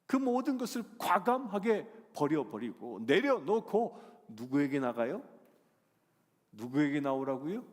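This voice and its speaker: Male pastor, sermon in a church, swinging pitch, loud emphatic build-ups, long reverb. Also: big pitch swings, measured pace. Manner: swells to loud emphatic climaxes, asks the congregation questions. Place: church sanctuary.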